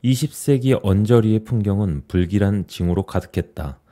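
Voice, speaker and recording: A man in his forties reads a long essay aloud into a studio microphone in a small home studio room. His voice sits a little low and sounds very dark and mellow. His reading stays calm and earnest. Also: moderate pace. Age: 40s. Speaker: YouTube host. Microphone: studio mic on boom, headphones.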